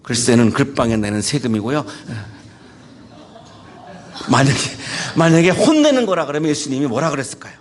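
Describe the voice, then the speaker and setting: A male pastor preaching a sermon at a university chapel, animated and playful, acting out quotes and calling on listeners. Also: medium pitch, a little fast.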